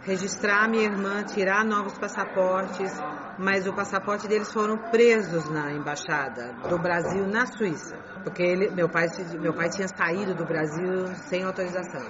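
A middle-aged woman whose first language is Chinese, answering interview questions in a halting way, repeating phrases and restarting words. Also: lowish voice, fairly even intonation. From grew up in Beijing, China. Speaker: interview guest. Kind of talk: conversational interview. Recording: muffled with crowd murmur behind.

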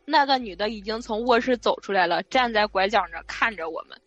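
A woman casually telling a true eerie story over a remote call, in a vivid, animated way with frequent restarts. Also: medium pitch, fairly quick, no room sound, lo-fi sound. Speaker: guest storyteller.

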